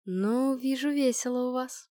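A woman's voice: high voice, a little slow, dark tone, no echo, clean studio sound. A woman doing a teasing middle-aged mother.

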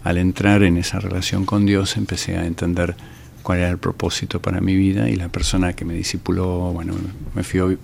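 Older Argentine man, very low gravelly voice, halting radio-interview guest, faint hum behind. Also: completely flat delivery, darkish tone. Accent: Argentine Spanish. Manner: hesitant, many fillers and restarts. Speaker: ministry director and guest. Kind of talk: radio interview, relaxed storytelling.

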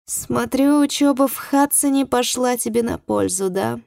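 Woman narrator doing a snide young woman, taunting, pitched up, audiobook. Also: moderate pace, creaky, a little mellow, no room sound, clean studio sound. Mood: mocking. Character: young woman, sneering and mocking. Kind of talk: audiobook character voice.

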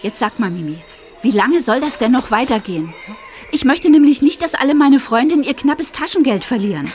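A spirited teenage schoolgirl in a radio play, speaking a little high with lively, swinging intonation. She is direct and quick to take up a friend's cause. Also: faint music behind. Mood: confrontational. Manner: direct and indignant.

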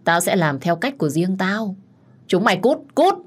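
A woman voicing a crazed, violent young man with a knife, shouting menacingly. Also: medium pitch, big pitch swings, normal speed, husky. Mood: furious.

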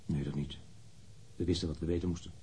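An actor playing a blunt, candid man in his thirties, a witness answering police questions matter-of-factly in a husky voice in a radio drama. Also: a bass voice, steady tone, fast talker, dark tone, full character voice. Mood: blunt, terse. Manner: matter-of-fact, precise, blunt. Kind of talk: radio drama interrogation acting.

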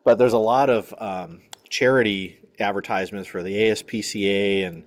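A man's voice: on the low side, steady tone, normal speed, no echo. Dry-witted male co-host. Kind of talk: casual comedy radio show.

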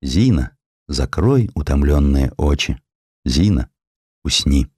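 A man voicing a dying, suffering poet who slowly and solemnly recites his verse in an audiobook. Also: rumbling low, expressive, warm tone, husky, no echo, clean studio sound, voice pushed down, heavily acted. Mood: weary, tender. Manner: slow, solemn, drawn-out recitation.

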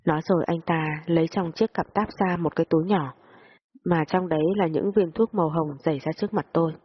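A woman narrating a first-person audio story in a steady reading voice. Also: sits low, brisk, husky, lo-fi sound.

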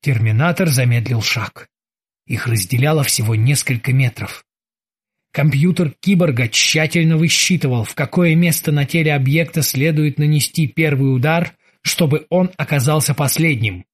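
A man narrating an audiobook in a lively, vivid reading. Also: a little high, moderate pace, husky.

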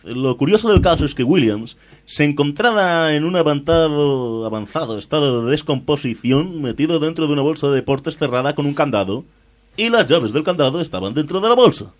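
A man hosting a comedy show, delivering satirical news commentary in a sardonic, deadpan way. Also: a little high. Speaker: host.

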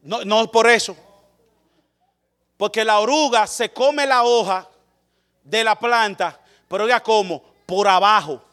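A male preacher giving a dramatic sermon, swinging between loud calls and quiet low asides to the congregation. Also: measured pace, long pauses.

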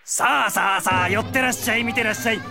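A woman's voice: fairly high pitch, quick pace, creaky. A woman playing a brash student barker making rhythmic calls for a haunted house in an audio drama. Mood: rousing, playful. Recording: music playing behind the voice.

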